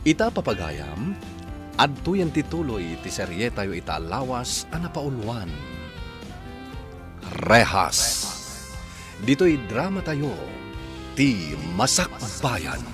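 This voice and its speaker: A man narrating and announcing a radio drama in a measured way. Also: medium pitch, big pitch swings. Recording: voice over music.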